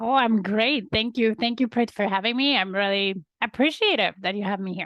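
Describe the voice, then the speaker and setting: A woman with a Polish accent speaks at a moderate pace in a fairly high pitch. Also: ordinary pitch variation. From Poland. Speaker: business and leadership coach. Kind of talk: podcast interview.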